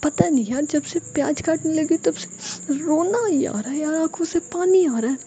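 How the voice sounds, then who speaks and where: A woman doing teasing young woman, playful, childish, mellow tone. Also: medium pitch, fairly even intonation, normal speed, a little hiss or hum, lightly acted. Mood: whiny.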